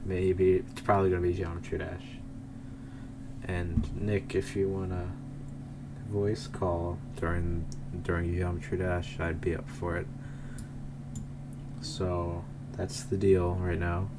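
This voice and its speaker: Low-voiced man rambling on a livestream. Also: level tone, slow pace, long pauses, very noisy. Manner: rambling, repeats himself. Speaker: live game streamer. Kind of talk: casual livestream chat.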